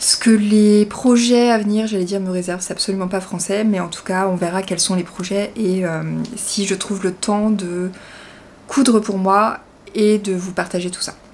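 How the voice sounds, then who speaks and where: A woman's medium-pitched voice, monotone and flat, at a moderate pace amid noticeable background noise. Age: 40s. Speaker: sewing podcaster and pattern designer. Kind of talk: casual vlog monologue. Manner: hesitant, many fillers.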